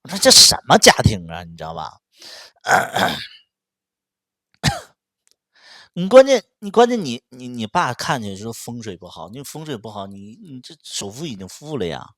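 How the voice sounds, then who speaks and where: A man hosts a casual livestream, telling a story in a lively voice that swings widely in pitch. He stammers, repeats himself and keeps clearing his throat. The sound is dry and close, with no room around it. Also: measured pace, long pauses, no echo. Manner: animated venting, stammers and repeats words, clears throat often. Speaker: livestream host.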